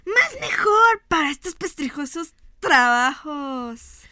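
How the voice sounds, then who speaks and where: A woman's voice: high voice, sing-song, sharp tone, no room sound, clean studio sound, exaggerated voice. A woman doing a mocking, sarcastic office assistant. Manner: mocking, slow sardonic remarks.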